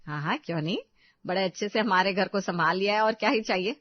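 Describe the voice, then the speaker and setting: A woman's voice: medium pitch, fast talker, no room sound, pitched below the performer's own voice, natural voice. Woman playing a firm strict mother-in-law. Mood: curt. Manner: firm, no-nonsense. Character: strict but sensible middle-aged mother-in-law. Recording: dull, dry sound.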